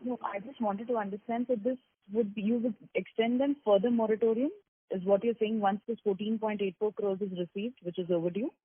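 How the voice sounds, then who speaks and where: A woman analyst presses management with careful, numbers-heavy questions on a conference call. Her voice has a husky edge. It comes through a narrow phone line in a dry, close sound. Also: mid-range voice, steady tone, a little fast, no room sound. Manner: probing, detailed, numbers-focused.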